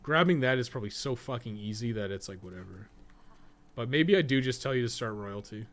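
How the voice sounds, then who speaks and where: A man's voice: mid-range voice, expressive, brisk. A man giving casual gaming commentary, thinking aloud in a rambling, profane way with joking asides. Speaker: podcast co-host playing a video game.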